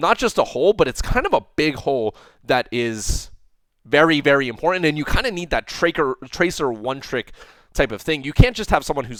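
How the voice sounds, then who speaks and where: Moderate pace from a man with fairly high pitch and an unremarkable speaking voice, dry, close sound with no echo, and a very clean recording against a silent background. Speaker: esports coach and analyst. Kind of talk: casual commentary video. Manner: casual, filler-heavy.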